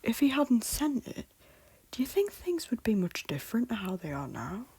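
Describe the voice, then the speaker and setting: A woman playing an anxious, loyal young prince in an audio drama, earnest and breathy, moving between hushed and urgent. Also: on the high side, big pitch swings, moderate pace, full character voice. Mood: worried. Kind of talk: intimate audio drama acting.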